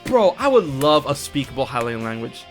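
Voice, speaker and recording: A man hosting a casual gaming chat, excitable and talking fast when heated, stumbling and repeating words as he goes. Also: medium pitch, faint music behind. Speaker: podcast host.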